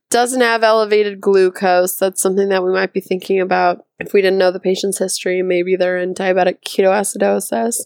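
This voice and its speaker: Hoarse female podcast host, methodical teacher working through a case, dry close sound. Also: mid-range voice, darkish tone, no room sound. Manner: methodical, thinks aloud step by step. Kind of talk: explaining a board exam question.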